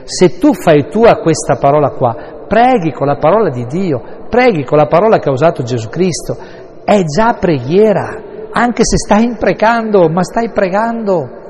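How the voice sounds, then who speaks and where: Guy priest going over a bible reading, chatty and rambly with side jokes, kinda high voice, big echoey church. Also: expressive, moderate pace, darkish tone, breathy edge. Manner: conversational and digressive, with wry asides. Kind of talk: Bible commentary to a congregation.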